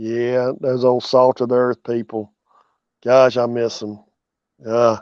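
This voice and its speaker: With a Carolina accent, a man speaks at a very slow pace in a monotone, flat delivery full of long, frequent pauses, the sound dry and close with no echo. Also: medium pitch for a man. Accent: Carolina twang with elongated O's. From North/South Carolina border. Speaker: YouTube channel host. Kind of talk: casual interview chat.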